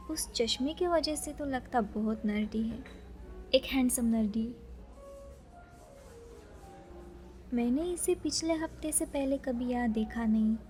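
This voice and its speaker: A woman playing a chatty, dreamy young librarian who is easily flustered, musing softly to herself in an audio romance drama. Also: fairly high pitch, close to an everyday voice. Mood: smitten, curious.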